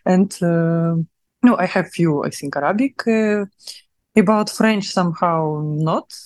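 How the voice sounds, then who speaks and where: A woman's voice: on the low side, unhurried, a little mellow, no room sound. A young adult woman from Russia speaking English with a Russian accent, chatting as an interview guest with many fillers and laughs. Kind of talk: casual interview chat.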